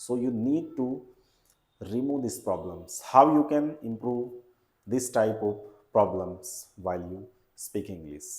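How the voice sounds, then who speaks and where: The speaker has an Indian accent and a fairly slow pace, with long, frequent pauses. The intonation is lively, and the loudness swings widely. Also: man, medium pitch for a man. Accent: Indian English (Hindi speaker). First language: Hindi. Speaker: English teacher. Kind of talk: tutorial.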